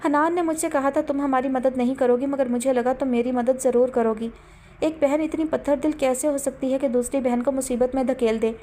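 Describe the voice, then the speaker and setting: A woman's voice: high voice, steady tone, dark tone, lightly acted. A woman voicing a stubborn, desperate young woman who pleads and insists with her sister and mother in an audiobook drama. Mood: pleading.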